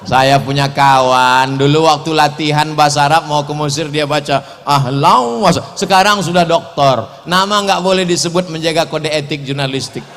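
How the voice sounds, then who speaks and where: A man from Indonesia delivers a humorous Islamic lecture in a high, bright voice. He jokes and swings from loud bursts to soft asides. His voice rings out with the long reverb of a large hall. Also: moderate pace, few pauses. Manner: animated, joking, swings between loud and soft. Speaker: preacher.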